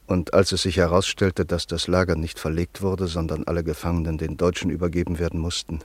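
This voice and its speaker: An actor playing a sombre narrator in a radio drama, grave and deliberate as he recalls a friend's fate. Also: sits low, level tone, dry recording.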